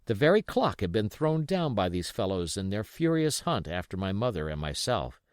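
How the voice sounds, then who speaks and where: A man reading an adventure novel aloud as scripted, expressive, dramatic narration. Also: lowish voice, no room sound, clean studio sound. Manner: expressive storytelling. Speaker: audiobook reader.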